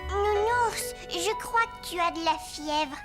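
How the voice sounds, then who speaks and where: A small, earnest boy in a cartoon, talks in a very high, piping voice. He speaks slowly and carefully, as if weighing each word. Music plays clearly underneath. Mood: caring. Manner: slow, careful child speech. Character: eager little boy, earnest and caring. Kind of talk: French cartoon dubbing. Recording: studio dub over loud music.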